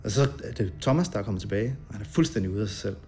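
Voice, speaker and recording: A man being interviewed, recounting a memory in a halting way with many fillers and vivid detail. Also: fairly low pitch, expressive, darkish tone.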